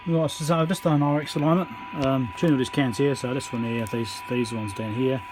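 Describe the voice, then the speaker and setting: An electronics repair presenter talking casually as he works at his home workbench, thinking aloud with frequent ums and pauses. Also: medium pitch, fairly even intonation, background noise. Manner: thinks aloud with many ums, counts into the mic.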